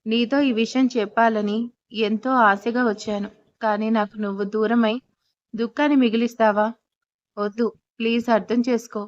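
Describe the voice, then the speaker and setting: A woman's voice: fairly high pitch, fairly even intonation, normal speed, natural voice. A woman voicing a desperate young man pleading. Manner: pleading, urgent. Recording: dull, dry recording.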